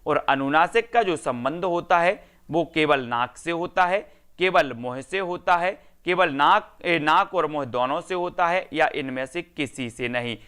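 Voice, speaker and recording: A man's voice: a little high, a little slow, fairly bright tone, clear, resonant tone. A man teaching an online exam-prep Hindi grammar class, calling out students by name and answering his own questions. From India.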